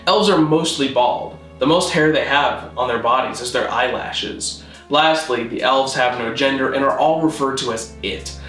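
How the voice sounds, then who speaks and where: A man narrating a scripted mock-documentary explainer in a formal, measured, deadpan manner. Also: medium pitch, reverberant. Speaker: presenter of a constructed-language video.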